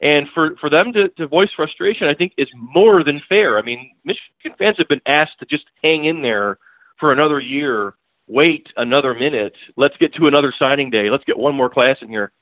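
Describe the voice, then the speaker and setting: A man with a fairly high, expressive voice talks at normal speed over a tinny phone line with no echo. He is a newspaper beat writer appearing as a guest in a casual podcast interview, blunt and emphatic, hammering the same point again and again.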